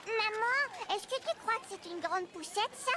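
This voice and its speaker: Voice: very high voice, lively intonation, a little slow, sharp tone, full character voice. An actor voicing a cheerful, curious four-year-old boy in a cartoon dub, asking eager questions.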